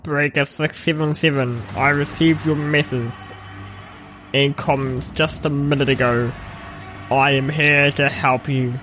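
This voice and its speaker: A man playing an earnest heroic defender in an amateur audio roleplay, with deliberate, theatrical delivery. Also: on the high side, fairly even intonation, music in the background, natural voice. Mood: resolute. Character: earnest heroic male defender of a threatened reality.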